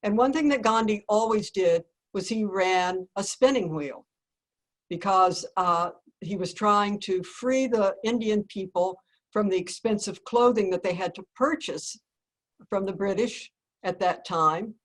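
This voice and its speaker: A woman speaking at a deliberately unhurried pace, with a voice pitched in the middle range. She is a spiritual teacher who tells a reflective teaching story calmly and earnestly. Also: rough recording. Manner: calm, measured, gently earnest. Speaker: spiritual teacher, podcast guest.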